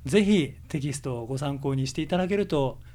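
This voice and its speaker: A man's voice: mid-range voice, lively intonation, fairly quick, warm tone. A man co-hosting a podcast, who speaks politely and formally to the listeners. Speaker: co-host. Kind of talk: podcast co-host remarks.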